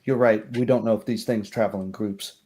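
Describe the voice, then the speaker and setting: A man's voice: lowish voice, steady tone, brisk, a little mellow, lightly acted. A man voicing an overworked baroness who gives clipped orders to her staff in a tabletop game. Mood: urgent agreement.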